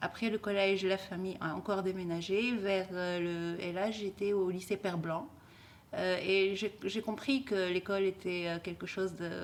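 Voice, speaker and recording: A woman's medium-pitched voice with an Arabic accent, fairly even intonation and a fairly slow pace. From Tunisia (Tunis area). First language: Arabic (speaking French). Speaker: architect and researcher. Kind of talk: oral history interview. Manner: hesitant, many fillers.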